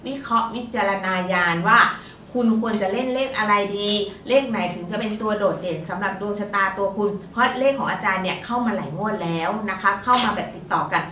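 A woman with a mid-range voice co-hosts a fortune-telling show, speaking a little fast in a sharp tone. She chats politely, sprinkles in frequent particles, and offers casual lottery tips. The recording sounds roomy, with a distant mic and faint noise.

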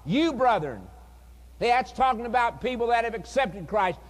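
A man with a high-pitched voice preaches an earnest revival sermon, drawing out words with dramatic pauses and dropping to a hush before rising again. His voice rings through a large hall with a long reverb tail. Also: expressive. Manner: dramatic pauses, pleading and earnest, swings loud and soft. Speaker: evangelist preacher.

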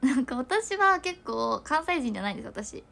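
A woman's voice: high voice, sing-song, fairly quick, creaky, fairly bright tone. Giggly, chatty young woman. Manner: chatty, giggly, rambling with fillers. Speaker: idol livestreamer. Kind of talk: casual livestream chat.

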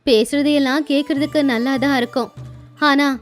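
A woman's voice: high voice, steady tone, moderate pace. A woman narrating a cartoon moral story and voicing the mother, in a plain, simple way. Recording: faint music underneath.

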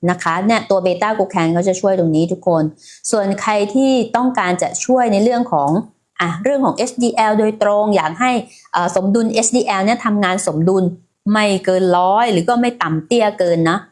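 A woman's voice: mid-range voice, a little fast, a little mellow. A woman hosting a casual health livestream, talking in a chatty way and speaking straight to her viewers. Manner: chatty, many fillers, addresses viewers directly.

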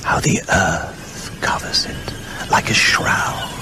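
An actor playing a sinister old male vampire in a radio horror drama, breathy, deliberate and commanding. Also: over music, natural voice. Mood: sinister, insinuating. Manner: slow, deliberate, menacing, drawn-out phrases.

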